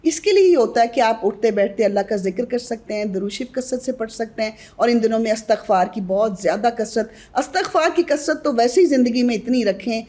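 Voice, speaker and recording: A woman's voice: mid-range voice, dark tone. A woman who is a guest on a podcast interview, earnestly advising mothers on newborn care and addressing them directly.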